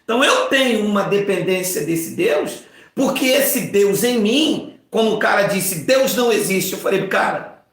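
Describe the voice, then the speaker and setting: Man, 50s, pastor; animated informal sermon, acts out bits; very echoey room. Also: high voice, normal speed. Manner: animated, acts out voices and jokes.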